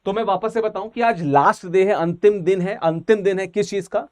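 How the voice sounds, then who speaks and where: A man's voice: high-pitched, normal speed, no echo. A man teaching an online exam-prep language class, talking casually and repeating each answer several times.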